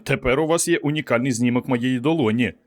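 A blunt lab technician with a gruff, sarcastic edge, voiced by a male narrator. He talks dryly and ends in a threat. An audiobook character. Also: mid-range voice, quick pace, lightly acted.

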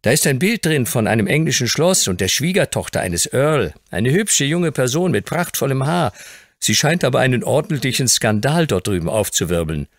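A clever, good-natured young lawyer, as a male audiobook reader puts him on, friendly and articulate with a teasing edge. The husky voice sits a touch higher than the reader's own. It moves in lively swings. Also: moderate pace, no room sound.

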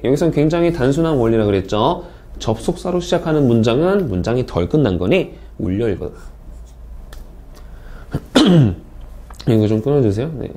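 A man teaching English speaking test strategies in a recorded online lecture, reading the example words slowly and clearly to show intonation. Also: fairly low pitch, darkish tone. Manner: upbeat, drills intonation with slow example readings.

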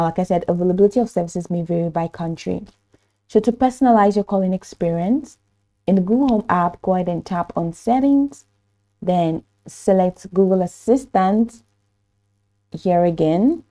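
Female tutorial narrator, slightly low and relaxed-toned, instructional, step-by-step voice-over. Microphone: voice-over for screen recording.

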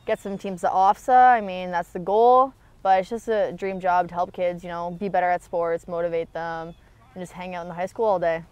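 A woman's voice: on the low side, fairly even intonation, a little fast, a little mellow, clear, resonant tone. A young adult woman from small-town Ontario with a Canadian accent, answering casually and slangily as an athlete being interviewed outdoors. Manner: informal, slangy. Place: outdoor sports field.

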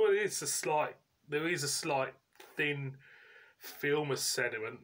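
Bright-voiced man, casual reviewer. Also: medium pitch. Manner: informal, colloquial, pauses mid-sentence. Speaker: beer reviewer and host. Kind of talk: casual chatty video review. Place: indoors, living room at home.

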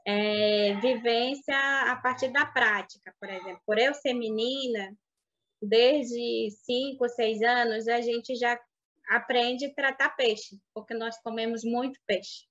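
A woman in her thirties whose first language is Baniwa, telling her life story in an interview, reflective and halting, over a video call. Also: on the high side, steady tone. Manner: reflective, halting with restarts and soft fillers. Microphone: webcam on video call. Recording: dull lo-fi video call audio.

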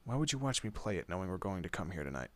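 A man's voice: sits low, very animated, rapid-fire. A man playing a teasing, protective monster detective in a horror roleplay audio, talking casually to his human partner. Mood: teasing, bickering. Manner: casual, teasing, muttered asides. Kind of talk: horror roleplay audio drama, addressing the listener.

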